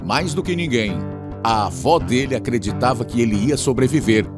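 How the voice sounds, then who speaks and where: Male announcer, Brazilian accent, scripted dramatic narration, mid-pitched, expressive melody, clear music bed. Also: normal speed. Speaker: radio program narrator and announcer.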